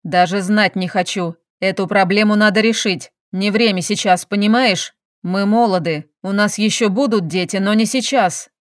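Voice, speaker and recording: A woman's voice: medium pitch, normal speed, no room sound, clean studio sound, natural voice. A woman reading an audiobook, voicing a young husband who speaks in curt, commanding, menacing lines. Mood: threatening. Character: cold controlling young husband.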